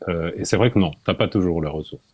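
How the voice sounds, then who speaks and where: Guy in his 40s, really low voice, dry sound, stumbles and restarts a lot, laughs here and there. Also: fast talker, darkish tone, breathy edge, no room sound, muffled recording. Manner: hesitant, repeats words, laughs often. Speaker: podcast guest. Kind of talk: casual interview.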